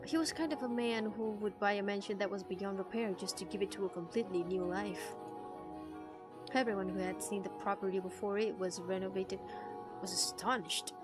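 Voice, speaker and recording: A woman streamer reading a visual novel aloud and reacting in an animated, teasing way, swearing freely. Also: mid-range voice. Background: music.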